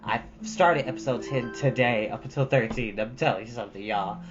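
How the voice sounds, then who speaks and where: A male host chats informally with his viewers in a folksy, emphatic manner, repeating phrases to drive his point home. His voice sits at a medium pitch. The audio is a little dull and lo-fi, with plucked guitar music clearly playing behind him. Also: brisk. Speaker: storytime stream host. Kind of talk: casual chat to live viewers.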